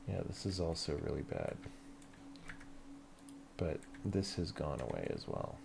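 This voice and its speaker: A man's voice: rumbling low, very animated, a little slow, gravelly, noisy background. A man live-streaming as a game developer, chatting casually and thinking aloud as he works, often muttering questions to himself. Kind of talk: casual livestream chat, thinking aloud while working.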